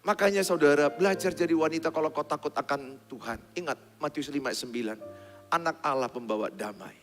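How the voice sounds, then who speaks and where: A man preaching a sermon in a large church hall, lively and joking, addressing the congregation bluntly. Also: on the high side, brisk. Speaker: pastor. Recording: long hall reverb, faint music.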